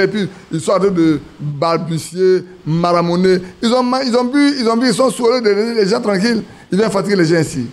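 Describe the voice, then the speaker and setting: A man's voice: high-pitched, darkish tone. A man preaching a sermon, telling stories and acting out quotes. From Ivory Coast. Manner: storytelling with acted quotes, restarts.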